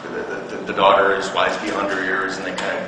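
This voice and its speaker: A male actor explaining his character on a convention panel, halting with many restarts. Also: low voice, monotone. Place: large convention hall stage. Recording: echoey hall from far off, noisy.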